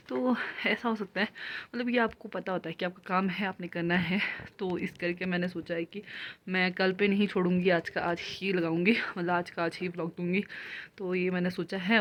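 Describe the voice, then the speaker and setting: A young woman from Kinnaur in India, vlogging casually on a phone at home during heavy snowfall. She talks fast and nonstop and is a little out of breath from walking around. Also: mid-range voice. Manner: fast, nonstop chatty talk, slightly out of breath. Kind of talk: casual vlog talk to camera. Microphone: handheld phone.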